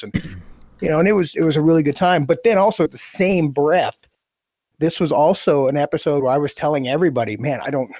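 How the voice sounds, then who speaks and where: A man's voice: mid-range voice, dry recording. Effusive man, very dry close sound. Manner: effusive, animated storytelling, quoting reactions. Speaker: audio drama producer and sound editor. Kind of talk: casual chat.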